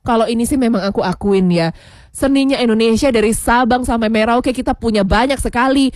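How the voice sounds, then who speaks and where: A woman's voice: a little high, brisk, a little mellow, no echo, clean studio sound. A woman radio host, chatting casually on a morning show, laughing often and slipping into regional words, her voice a bit worn. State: voice worn from shouting. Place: radio studio.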